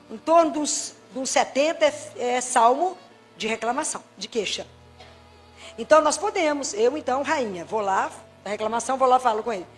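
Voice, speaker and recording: High-voiced Brazilian woman preaching. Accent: Brazilian Portuguese. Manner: lively, rhetorical questions to the audience. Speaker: Catholic preacher, pediatrician. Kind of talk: sermon to a live congregation.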